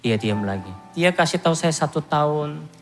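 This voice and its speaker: A man in his thirties from Korea, giving a self-mocking, animated church testimony. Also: on the high side, normal speed. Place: church hall. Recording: long hall reverb with music behind.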